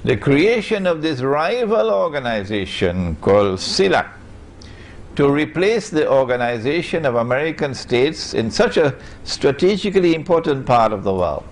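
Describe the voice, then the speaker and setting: A man's voice: medium pitch, very animated, moderate pace. A man from Trinidad and Tobago, giving a public lecture in an emphatic way and putting rhetorical questions to his audience.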